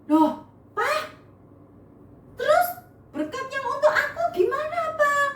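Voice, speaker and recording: A woman voicing Esau, a grown son who wails and pleads in a high whine over his lost blessing. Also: wildly swooping pitch, normal speed, a bit bright, slight background noise, heavily acted. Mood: pleading. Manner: whiny, pleading, sobbing. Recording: echoey room, mic far off.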